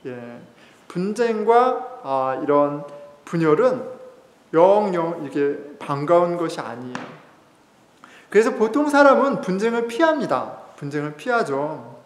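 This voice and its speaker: A man's voice: a little high, very animated, measured pace. A male pastor giving a sermon in a church, telling stories in a conversational way with fillers and chuckles. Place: church sanctuary. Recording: echoey hall reverb.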